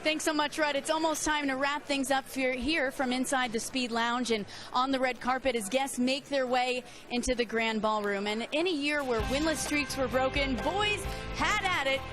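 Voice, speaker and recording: A woman's voice: high voice, moderate pace, hardly any pauses. A woman hosting a broadcast, delivering scripted television announcements. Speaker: broadcast host. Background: music.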